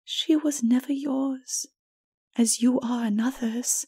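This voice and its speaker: A woman voicing a sorrowful, righteous holy woman in a dark fantasy audiobook, breathy and often near a whisper, solemn and pleading. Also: a little high, fairly even intonation, takes it slowly, exaggerated voice. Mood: sorrowful warning.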